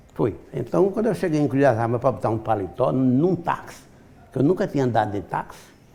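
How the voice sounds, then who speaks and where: The voice has a dark, mellow tone with vocal fry. It moves at a fairly quick pace through very wide pitch swings. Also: man, medium pitch for a man. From Brazil, Paraíba (João Pessoa). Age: 70s. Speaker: publicist and editor. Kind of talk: TV interview.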